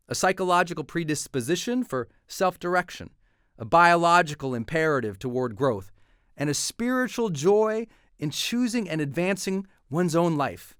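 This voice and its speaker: Higher-pitched man, emphatic declamatory delivery, scripted inspirational reading, very dry close sound. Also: a bit bright, smooth, no room sound.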